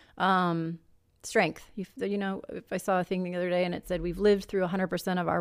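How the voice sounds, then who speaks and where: Delivered in a monotone, flat intonation, the American accent comes through on a very clean recording with a silent background. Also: woman. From US Midwest, Omaha, Nebraska. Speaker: nonprofit CEO. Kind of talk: interview.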